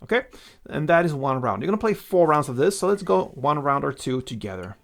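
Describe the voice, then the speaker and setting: Gravelly-voiced man teaching guitar. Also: a little high, very animated, fairly quick. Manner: instructional, counts out strumming strokes. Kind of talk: casual step-by-step tutorial instruction. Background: acoustic guitar playing.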